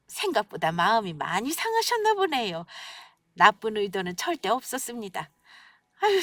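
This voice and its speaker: A woman voicing a servile middle-aged mother-in-law-to-be who pleads and fawns in drawn-out words. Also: high-pitched, fairly bright tone, no echo, clean studio sound, voice pushed up.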